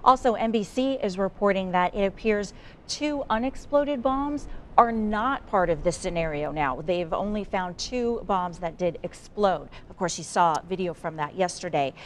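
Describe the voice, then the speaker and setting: A woman's voice: medium pitch, animated, normal speed, a little hiss or hum. A woman anchoring a live local morning TV newscast, talking to viewers directly in a conversational way.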